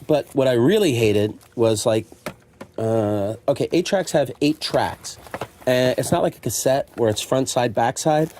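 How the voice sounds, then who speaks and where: A middle-aged man with a relaxed, mellow voice at an ordinary pitch. He rambles conversationally and pokes fun at himself like a shop owner chatting to viewers. Some background noise and clicking sit behind him. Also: a little slow. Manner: conversational, self-deprecating, acts out imagined remarks. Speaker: secondhand store owner showing stock. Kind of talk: casual, rambling chat to camera.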